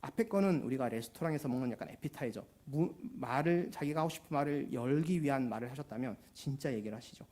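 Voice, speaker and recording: Male pastor preaching quick, repeats himself for emphasis, mellow darkish voice. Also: mid-range voice, lively intonation. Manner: emphatic, repeats key phrases. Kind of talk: sermon. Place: church.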